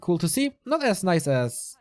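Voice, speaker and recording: Lively solo esports caster, man. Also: high-pitched, moderate pace. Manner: lively, chatty, answers viewer chat mid-commentary. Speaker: esports commentator. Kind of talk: solo live game commentary.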